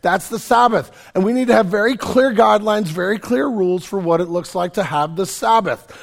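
A middle-aged man, preaching a sermon in a conversational, self-deprecating way with joking asides, his voice raspy and hoarse from a cold. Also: high-pitched, a little fast. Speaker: pastor.

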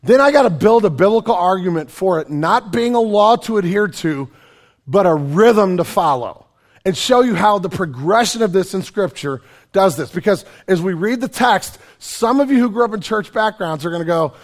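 A middle-aged man, preaching a sermon in a conversational, self-deprecating way with joking asides, his voice raspy and hoarse from a cold. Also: sits high, expressive, normal speed. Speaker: pastor.

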